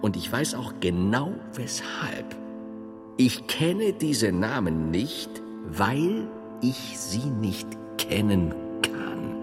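Strict medieval monk, pedantic and logical, slow with big pitch swings, long hall reverb. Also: male voice, sing-song, music in the background, exaggerated voice. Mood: grave, reasoning. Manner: solemn, precise, pedantic. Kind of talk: theatrical radio drama acting.

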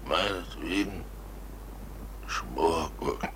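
An actor playing a troubled, grumbling widowed innkeeper in a German radio drama, speaking in a halting, weary way. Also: male voice, low voice, a bit bright, a little hiss or hum. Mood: irritated, listless.

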